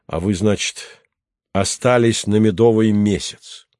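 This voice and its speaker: Patient base commander, voiced by a man, matter-of-fact, low voice, slow and measured. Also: darkish tone, dry recording, clean studio sound, close to an everyday voice. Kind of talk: audiobook character reading.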